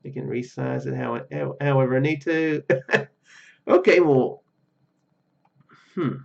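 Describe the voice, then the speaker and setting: A man's voice: medium pitch, takes it slowly, gravelly. A man giving casual, rambling let's-play commentary, hesitating and repeating his words as he goes. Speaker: let's-play video host. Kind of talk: casual gameplay commentary mixed with reading dialogue aloud. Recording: dull lo-fi mic with faint music.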